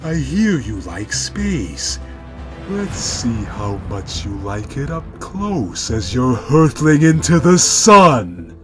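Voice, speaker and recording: A man's voice: mid-range voice, big pitch swings, slow, over music, voice pushed up. A man voicing a macho, pompous, menacing cartoon cat in a storybook narration, with a bombastic and wordy manner. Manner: bombastic, verbose, threatening.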